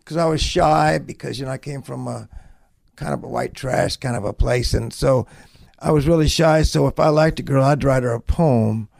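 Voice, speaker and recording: A middle-aged man, a songwriter telling stories in an interview with lively acted-out quotes. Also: medium pitch, normal speed, creaky. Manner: folksy, animated storytelling with acted-out quotes. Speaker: songwriter guest. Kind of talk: storytelling interview.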